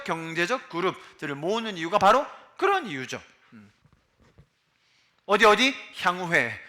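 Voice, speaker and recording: A man's voice: high-pitched, sharp tone. A man in his forties from Busan, a pastor preaching a sermon in a chatty way and asking the congregation questions. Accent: Busan Gyeongsang dialect. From Busan, South Korea. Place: church sanctuary.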